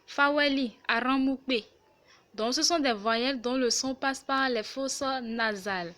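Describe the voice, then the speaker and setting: A woman teaching a language lesson, explaining slowly and carefully and repeating each word. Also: fairly high pitch, a bit bright. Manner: slow and careful, repeats words. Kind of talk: Yoruba lesson in French.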